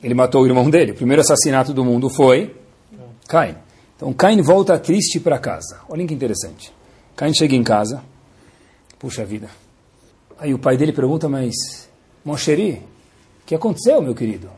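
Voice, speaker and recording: A man's voice: medium pitch, animated, brisk, long pauses, darkish tone, slightly rough. A man, a rabbi giving a playful, dramatizing Torah lesson to students and sprinkling in Hebrew terms.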